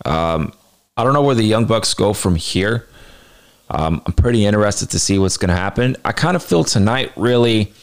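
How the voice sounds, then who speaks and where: A man with a low, smooth voice hosts a wrestling review. He gives commentary in a casual, conversational way, walking through the action and adding his own opinions. His delivery is clean and resonant. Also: expressive, normal speed. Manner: conversational match-by-match recapping with personal opinions. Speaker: wrestling show reviewer and host.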